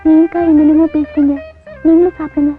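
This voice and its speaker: A caring young wife speaks softly and earnestly in a bright, high voice, played by a woman. The track is thin and phone-like, with faint music behind her. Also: level tone, fast, natural voice. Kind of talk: 1990s Tamil film acting.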